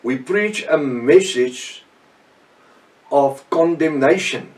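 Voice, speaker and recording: A middle-aged South African man with an Afrikaans accent, a preacher and Bible teacher, delivers an extemporaneous sermon in an earnest, emphatic way, his voice on the high side. His short, halting phrases are often repeated for weight. He is somewhat far from the microphone in a very echoey room.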